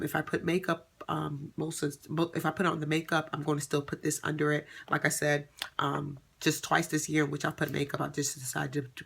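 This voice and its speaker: A woman's voice: low-pitched, creaky, fairly bright tone, slightly rough. A woman in her thirties chatting casually to camera as a vlogger, rambling with many ums and self-corrections. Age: 30s. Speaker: beauty vlogger.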